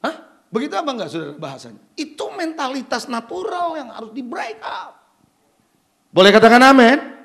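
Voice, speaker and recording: A man's voice: very high-pitched, very animated, fairly quick, gravelly, fairly bright tone. A male pastor preaching an emphatic sermon, firing rhetorical questions at the congregation and slipping English phrases into his talk.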